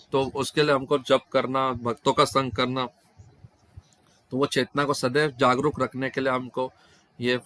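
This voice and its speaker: A mid-range, slightly bright male voice interprets questions and answers during a devotional scripture class conducted by online video call. Words frequently get broken off and restarted mid-phrase.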